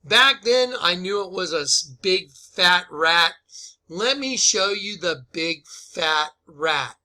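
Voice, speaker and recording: A man's voice: high voice, animated, takes it slowly, pushed and bright. A man hosting informal opinionated commentary, speaking in an emphatic, repetitive, accusatory way. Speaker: video host and commentator.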